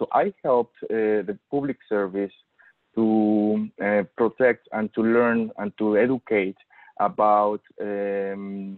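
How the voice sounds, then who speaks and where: Male speaker with a non-native accent, fairly low in pitch, fairly even in intonation, at a very slow pace. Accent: noticeable non-native. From Mexico. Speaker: HR consultant. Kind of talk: webinar presentation. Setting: online webinar.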